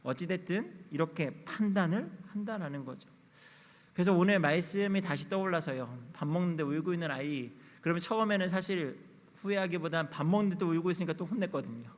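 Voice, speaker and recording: Thirties male pastor, slightly high voice, candid confessional sermon, church reverb. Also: animated, a little fast. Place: church sanctuary.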